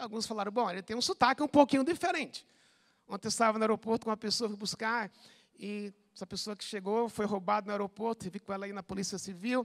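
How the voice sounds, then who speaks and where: A man with a non-native accent and a high pitch, at a very fast pace, with ordinary pitch variation, big swings in loudness, and a dry, close sound free of echo. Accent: foreign accent in Brazil, noticeable. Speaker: pastor. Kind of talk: sermon. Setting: church.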